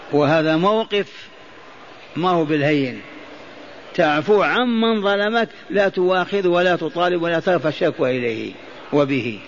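A man with a high voice gives a Quran lesson, going over phrases again and asking his listeners questions. He chants the verses he quotes, and the recording sounds dull and lo-fi. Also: a little hiss or hum. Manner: repeats phrases, stops to quiz listeners. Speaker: Quran teacher.

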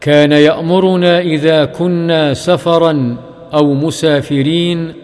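A man chants religious narrations in a slow, melodic recitation. His voice sits slightly high and unhurried. A long reverb trails behind every phrase. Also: steady tone, a little mellow. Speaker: hadith reciter.

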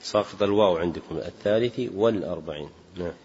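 Man with a lowish voice teaching, slow careful dictation, muffled old recording. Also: darkish tone, breathy edge, in a large hall. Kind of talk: dictating and correcting a reading lesson. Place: large mosque hall. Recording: dull lo-fi recording.

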